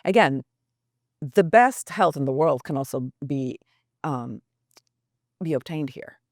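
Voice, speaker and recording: A woman's voice: extremely low pitch, animated, slow pace, no room sound, studio quality. A woman journalist as a podcast guest, talking earnestly and thinking aloud with restarts. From United States. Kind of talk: reflective podcast interview.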